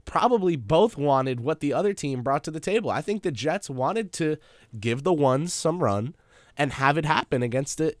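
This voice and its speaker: A man's voice: on the high side, animated, normal speed, dry recording, clean studio sound. A young man co-hosting a casual sports talk show, playful and laying out his reasoning in long runs. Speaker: podcast co-host.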